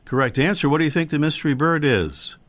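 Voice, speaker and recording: A man hosting a casual live radio call-in in a playful, teasing, halting manner on a studio microphone. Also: on the high side, animated, a bit bright, no room sound. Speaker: radio show host.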